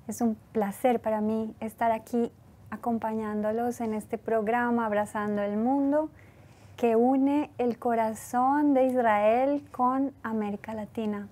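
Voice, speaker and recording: A woman's voice: on the high side, fairly even intonation, measured pace, warm tone. A woman hosting an interview show, greeting her guest with effusive, courteous welcomes. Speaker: host. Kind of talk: formal interview.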